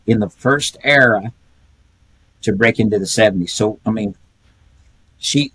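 An older man with a husky, medium-pitched voice, recorded roughly with no echo, appears as a guest on a casual podcast. A retired pedigree reader, he tells folksy stories and chuckles often.

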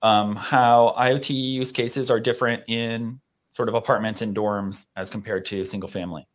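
A man's voice: fairly low pitch, fairly even intonation, normal speed. A man co-hosting a podcast, friendly and conversational as he welcomes guests and asks questions. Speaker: podcast co-host.

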